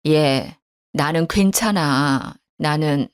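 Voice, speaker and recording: A woman's voice: low-pitched, very slow, pitched below the performer's own voice. A woman voicing an indignant middle-aged mother in a storybook drama, talking in an agitated, scolding way.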